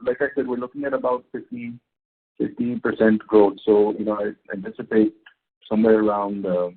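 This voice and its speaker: A man answering questions as a company executive on a conference call, speaking in halting, unscripted phrases. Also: on the low side, vocal fry, breathy edge. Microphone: phone conference call. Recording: tinny narrow phone line.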